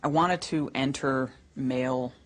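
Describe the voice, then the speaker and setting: A woman's voice: rumbling low, fairly even intonation, measured pace. A woman answering interview questions candidly and reflectively, with frequent fillers. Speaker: author interviewed.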